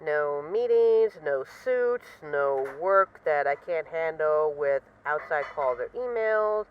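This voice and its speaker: A woman's voice: sits low, animated, slow, dull audio, a little hiss or hum. A woman acting as a bored, restless mafia boss who misses a partner, talking in a wry, dramatic, rambling way in an intimate voice-message roleplay. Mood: exasperated, wry.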